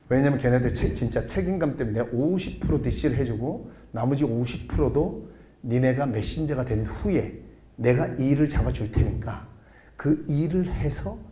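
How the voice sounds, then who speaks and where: A middle-aged man giving a jokey, animated lecture, acting out little scenes as he explains. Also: mid-range voice, a little hiss or hum. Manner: animated, jokey, acts out quotes and accents. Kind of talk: lively lifelong-learning lecture.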